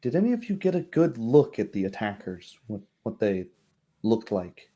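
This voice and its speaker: Man playing a courteous, mellow-voiced baroness. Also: fairly low pitch, very animated, moderate pace. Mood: concerned. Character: courteous, concerned noblewoman, a baroness hosting guests.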